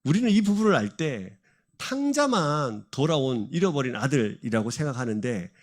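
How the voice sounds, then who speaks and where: A man's voice: medium pitch, very animated, moderate pace. A middle-aged man preaching a sermon to a congregation, asking them questions and answering them himself. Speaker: pastor. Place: church sanctuary.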